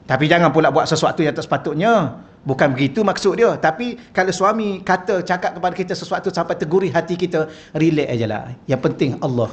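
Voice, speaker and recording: A religious teacher with a Malaysian Malay accent speaks quickly in a voice on the high side, using a wireless microphone in a mosque hall. His lecture is humorous and conversational, and he often puts questions to the audience.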